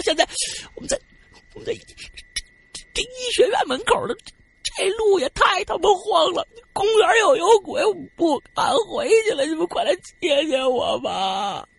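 A man's voice: very high-pitched, vocal fry, a bit bright, slight background noise, pitched above the performer's own voice, heavily acted. Man doing a frantic, tearful young guy. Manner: frantic, stammering, near tears. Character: panicked young man friend, crying for help.

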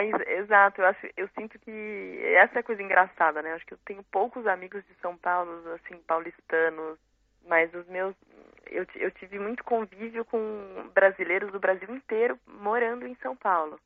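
A reflective Brazilian woman in her thirties, pausing to find her words as she talks about her work. Her voice has a gravelly fry and comes through a tinny, dry phone line. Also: medium pitch, no room sound. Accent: Brazilian Portuguese. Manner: reflective, searching for words, frequent tag questions. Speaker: guest poet. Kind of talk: casual interview talk. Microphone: phone call.

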